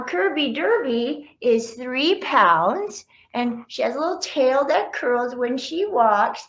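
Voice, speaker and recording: High-voiced woman chatting to children. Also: rough recording. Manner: chatty, explanatory, child-directed. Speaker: children's author. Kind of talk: casual talk to children after a read-aloud.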